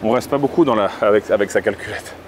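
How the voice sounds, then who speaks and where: A man in his twenties vlogging with his mother, chatting casually and turning to a confident, persuasive pitch. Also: quick pace, a little hiss or hum. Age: 20s. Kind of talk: casual chat and sales pitch.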